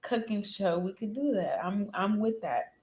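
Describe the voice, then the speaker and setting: A woman of Caribbean origin trading banter as a podcast co-host. Her voice sits at an ordinary middle pitch. She is blunt and quick to laugh. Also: darkish tone. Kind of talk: casual group chat.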